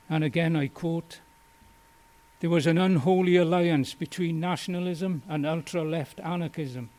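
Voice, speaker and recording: A man in his sixties from Wales, giving a prepared memorial lecture in a measured, earnest and deliberate way. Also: a little high, darkish tone.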